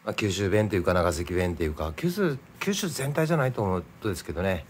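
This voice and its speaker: A middle-aged man with a Nagasaki accent talks in an easygoing, chatty way over food and drink at home. His voice sits fairly low, and a faint hum of room sound stays behind it. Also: lively intonation, fast. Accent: Nagasaki dialect. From Nagasaki, Japan. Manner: easygoing, chatty, explains local words. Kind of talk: casual chat while eating and drinking.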